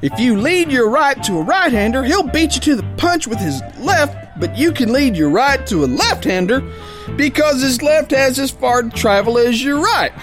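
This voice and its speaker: A man's voice: extremely high pitch, animated, moderate pace, music in the background. An actor playing a brash, hot-headed, dim-witted sailor boxer, telling his tale in boisterous, folksy tough-guy talk in a pulp audio drama. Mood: musing. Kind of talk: theatrical first-person pulp story narration.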